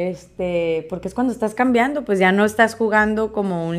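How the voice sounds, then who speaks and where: A woman is talking with ordinary pitch variation. Background music is audible. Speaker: podcast co-host. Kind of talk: casual chat. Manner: animated.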